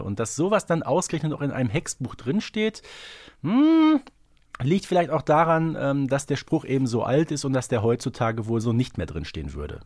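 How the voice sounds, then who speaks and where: A man's voice: mid-range voice, darkish tone, no room sound, studio quality. A man co-hosting a podcast, talking conversationally and a little wryly in a casual discussion. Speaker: podcast co-host.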